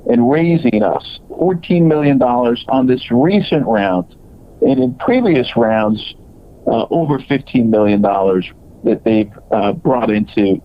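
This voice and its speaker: Man, company executive, dull lo-fi call audio, mid-pitched, scripted presentation, halting phrasing.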